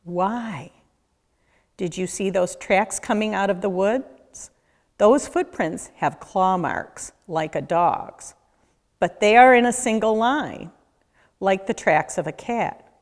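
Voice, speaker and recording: A woman reading a children's picture book aloud as a nature educator, with a deliberate, questioning storyteller delivery. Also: mid-range voice. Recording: echoey room with long reverb.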